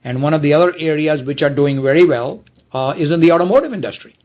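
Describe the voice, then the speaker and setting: A man's voice: a little high, quick pace. A man speaking as a company executive, giving unscripted answers on a dull, slightly noisy conference call. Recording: dull call audio with clicks, typing noise.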